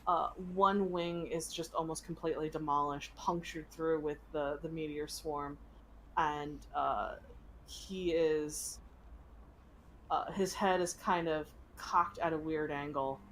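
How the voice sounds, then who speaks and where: A woman with a low voice narrates a tabletop game as its game master. Her delivery is slow, halting and descriptive. There is faint room noise behind her. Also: steady tone, fairly bright tone, low-quality recording.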